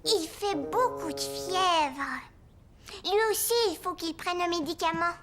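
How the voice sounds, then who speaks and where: A small, earnest boy in a cartoon, talks in a very high, piping voice. He speaks slowly and carefully, as if weighing each word. Music plays clearly underneath. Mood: caring. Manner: slow, careful child speech. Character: eager little boy, earnest and caring. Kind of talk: French cartoon dubbing. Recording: studio dub over loud music.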